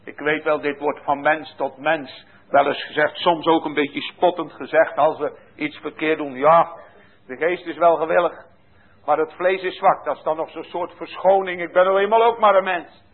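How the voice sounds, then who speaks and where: A man preaching a sermon with passion, dropping to a hush and then rising loud again. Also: a little high, steady tone, normal speed, breathy edge. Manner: impassioned, swinging from hushed to loud. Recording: tinny phone-like sound.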